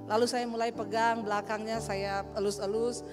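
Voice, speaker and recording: A woman's voice: on the high side, normal speed. A woman pastor preaching a sermon, telling stories with humor and acting out the dialogue. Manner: animated storyteller acting out dialogue, joking. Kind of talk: sermon with anecdotes. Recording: reverberant hall with music.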